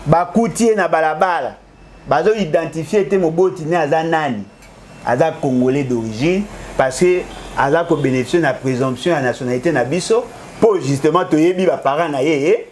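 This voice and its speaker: A man's voice: fairly high pitch, moderate pace, a little mellow, a little hiss or hum. A man arguing politics in a heated debate, lecturing and insisting he cannot be contradicted, mixing French and Lingala. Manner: argumentative, lecturing, switches between French and Lingala. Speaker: political commentator.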